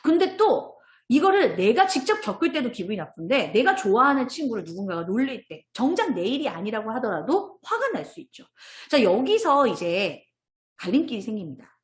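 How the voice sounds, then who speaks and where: Animated woman trainer, roomy call audio. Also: on the high side, moderate pace. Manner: expressive, animated, acts out child voices. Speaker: early childhood curriculum trainer. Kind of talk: online teacher training lecture. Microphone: video call.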